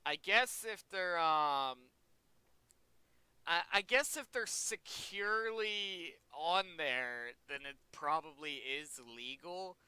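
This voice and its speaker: Young male host, casual reaction commentary, bright lively voice, smooth and dry. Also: a little high, slow, no echo, low-quality recording. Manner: rambling, chatty, repeats himself. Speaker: video host.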